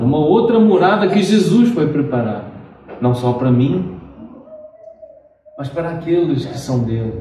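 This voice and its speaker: A middle-aged man from Portugal with a European Portuguese accent, preaching a sermon with slow, emphatic pauses. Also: medium pitch, warm tone. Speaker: pastor. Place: church sanctuary. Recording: very echoey church, distant mic.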